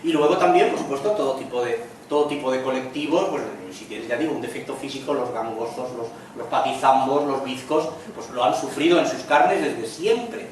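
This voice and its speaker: A man with a Spanish accent from Spain, giving a lecture in a chatty way and slipping in jokes with quick acted lines. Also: medium pitch. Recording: echoey room from far off, faint noise.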